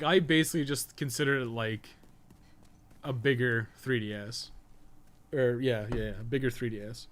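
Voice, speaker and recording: A man giving casual live gameplay commentary, rambling and thinking aloud with casual swearing. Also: medium pitch. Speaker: game streamer and podcast co-host.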